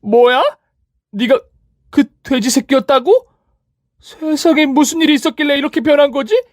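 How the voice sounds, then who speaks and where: A man's voice: very high voice, animated, a little fast, no room sound, clean studio sound, voice pushed up. A man voicing a desperate, clingy young woman who pleads and shrieks. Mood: shrieking.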